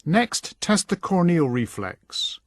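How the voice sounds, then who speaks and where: Higher-pitched man, dry instructional narration. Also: sing-song, slow, dry recording. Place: dry voice-over recording.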